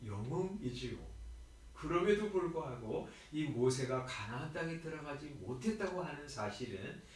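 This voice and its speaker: A man preaching an early morning sermon in an easygoing, conversational way, with asides and rhetorical questions. His voice sits at a middle pitch and carries through a very echoey sanctuary, picked up from some distance, with faint room noise behind. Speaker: pastor. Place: church sanctuary. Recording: very echoey church hall, mic at a distance.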